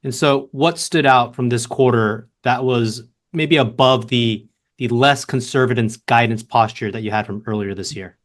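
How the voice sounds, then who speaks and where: A man's voice: medium pitch, normal speed. A man asking questions as a financial analyst on a conference call, informal and courteous.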